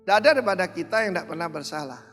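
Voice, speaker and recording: A man preaching a sermon as pastor, animated and bursting into loud exclamations. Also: sits high, rapid-fire. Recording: long reverb of a large hall, faint music.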